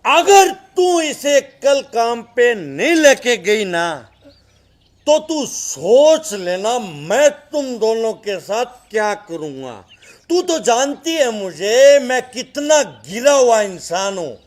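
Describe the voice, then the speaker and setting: A man playing a cruel, threatening drunkard father in a melodrama, scolding his family in a menacing, drawn-out way. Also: very high voice, big pitch swings, heavily acted. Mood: angry, threatening. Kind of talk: melodramatic Hindi drama acting.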